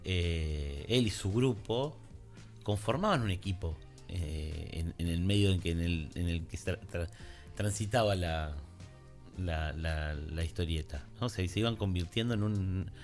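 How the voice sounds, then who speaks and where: A man's voice: low-pitched, a little slow, a little mellow, soft background music. An Argentine man hosting a radio talk, commenting in a reflective, discursive way and checking for agreement with short tag questions. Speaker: radio show host.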